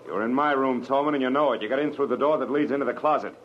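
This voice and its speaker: An actor playing a tough, wry private eye in a 1940s radio detective drama, clipped, commanding and sardonic. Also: male voice, mid-range voice, very fast, lightly acted. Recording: muffled old radio recording, clear hiss.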